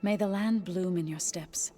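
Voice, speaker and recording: A woman playing a gentle, devout tribal healer in a game cutscene, measured and earnest with formal phrasing. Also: fairly low pitch, close to an everyday voice. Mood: earnest, reflective. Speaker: video game companion character. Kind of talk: naturalistic game cutscene acting. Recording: music behind the voice.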